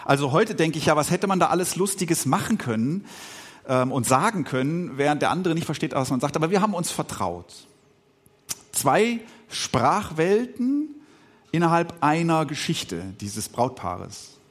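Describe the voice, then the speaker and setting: A middle-aged man, a pastor who grew up speaking Swiss German, giving a reflective podcast sermon with pauses and filler sounds. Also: fairly high pitch, sing-song.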